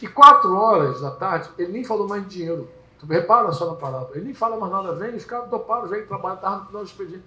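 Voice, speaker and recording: A man preaching at a small home gathering, telling stories lively and acting out characters. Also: sits high, quick pace, hardly any pauses, dull audio, slight background noise. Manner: lively storytelling, acts out characters. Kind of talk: sermon. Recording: echoey room.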